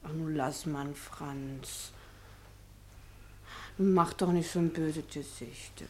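A woman's voice: low voice, fairly even intonation, slow pace, mellow, slight background noise. An actress playing a devoted, coaxing working-class Berlin girlfriend with a Berlin accent in a radio drama. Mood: soothing. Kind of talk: German radio drama acting.

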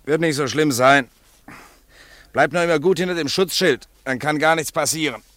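An actor playing a brisk, reassuring helper to a diver in a 1950s radio play. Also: male voice, on the high side, a bit bright, dry recording, close to an everyday voice. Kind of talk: 1950s German radio drama acting.

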